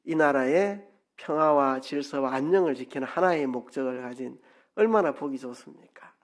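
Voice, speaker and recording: A middle-aged man, a pastor giving an expressive sermon with dialect asides in a church sanctuary. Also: mid-range voice, moderate pace.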